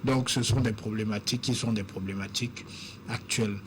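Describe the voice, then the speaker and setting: A man on a TV panel, speaking in a measured, deliberate way with frequent pauses and fillers. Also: fairly low pitch, steady tone, slight background noise. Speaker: panel guest. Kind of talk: measured TV debate.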